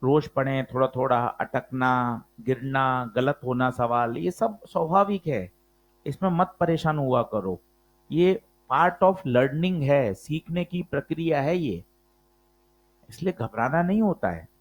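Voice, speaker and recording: A man teaching physics in a classroom lecture, slow and emphatic, quizzing his students with questions. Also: medium pitch, animated.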